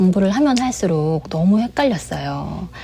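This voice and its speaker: Amid noticeable background noise, a woman speaks at a medium pitch and a fairly slow pace with lively intonation. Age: 40s. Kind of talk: personal vlog monologue. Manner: frequent filler hesitations.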